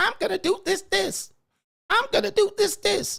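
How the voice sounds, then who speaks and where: A put-on character voice, nasal and whiny, with a whiny tone, speaks at an extremely high pitch and a moderate pace. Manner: whiny, nasal.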